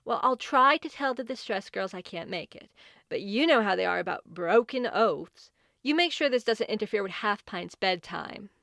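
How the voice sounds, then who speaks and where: A woman's voice: medium pitch, lively intonation, moderate pace, creaky, a bit bright, dry recording, clean studio sound. A woman playing a brash, teasing, talkative fairy godmother in a fantasy comedy audio drama. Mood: grumbling. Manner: flippant, exclamatory, teasing.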